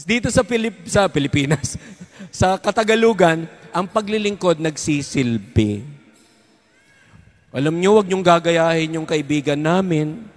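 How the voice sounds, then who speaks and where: A middle-aged man from the Visayas, a priest giving a playful parish recollection talk, leading prayers and getting the audience to clap. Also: sits high. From Visayas, Philippines. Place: church or parish hall. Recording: long hall reverb.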